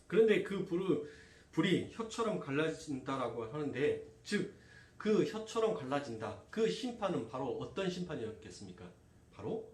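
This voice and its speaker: A man's voice: mid-range voice, far from the mic. A male pastor, preaching a sermon and firing rhetorical questions at his congregation. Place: church sanctuary. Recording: echoey room, voice off-mic.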